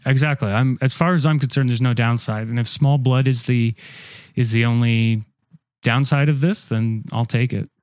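A man's voice: mid-range voice, clear, resonant tone, no echo. A man co-hosting a comedy podcast, delivering absurd bits with a straight face and ribbing his friends. His voice sits in a middle range. The sound is dry and close, with no room in it. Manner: deadpan absurd bits, quick teasing. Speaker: comedian co-host. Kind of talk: casual comedic banter.

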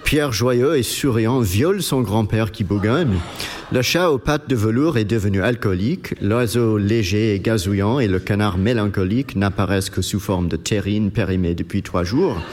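Brief: male reader, lowish voice, deadpan, steady comic reading. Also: normal speed, slight background noise. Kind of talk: reading a comic text aloud.

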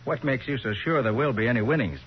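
An actor playing a level-headed, easygoing private detective, blunt and assured, in 1940s radio style. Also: male voice, medium pitch, fast, breathy edge, lightly acted. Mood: skeptical. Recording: muffled old radio recording.

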